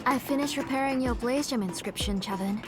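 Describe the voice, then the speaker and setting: A woman voicing a soft-spoken, caring mother in a game. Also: sits high, brisk, lightly acted. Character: caring mother, quiet and warm. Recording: game audio with loud music.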